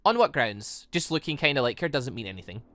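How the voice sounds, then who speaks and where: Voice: medium pitch, sing-song, a little fast, fairly bright tone, no room sound. Sly, teasing older woman acted by a gamer. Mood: sly, dismissive. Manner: smug, playful needling.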